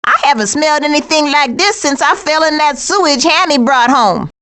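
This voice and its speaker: High-pitched, sassy skunk. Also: female voice, lively intonation, normal speed, bright, forceful tone. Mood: wry. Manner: sarcastic, slangy, wisecracking. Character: sassy, streetwise female skunk with a sarcastic temper. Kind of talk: animated video game voice acting.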